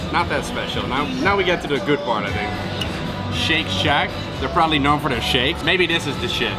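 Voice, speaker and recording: Loud music plays behind a man speaking at a fairly quick pace. His pitch varies in an ordinary way. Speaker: food vlogger. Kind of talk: casual vlog chat. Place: cafe. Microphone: camera far.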